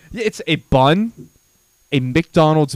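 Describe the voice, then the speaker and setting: A man's voice, dry and close with no echo. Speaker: podcast co-host. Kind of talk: casual chat. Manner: loud.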